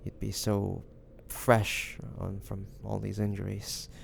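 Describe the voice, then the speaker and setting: A man playing a devoted young lover in an intimate romantic fantasy audio roleplay, speaking softly and haltingly with great affection. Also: on the low side, completely flat delivery, gravelly, a little hiss or hum, full character voice. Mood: gentle, concerned. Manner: soft, hesitant, affectionate, halting phrases.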